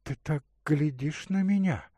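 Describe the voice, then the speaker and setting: A man reading aloud and voicing a gentle, caring young woman who speaks in a soft, singsong lilt. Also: on the high side, unhurried, no room sound, voice pushed up. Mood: tender.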